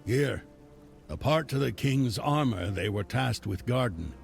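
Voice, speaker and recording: An actor voicing a gruff, solemn tribal leader in a dark fantasy video game, with a gravelly voice and a grave, weighty delivery. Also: male voice, mid-range voice, expressive, measured pace. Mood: solemn, grateful. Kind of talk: dramatic fantasy game dialogue. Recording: game dialogue over clear music.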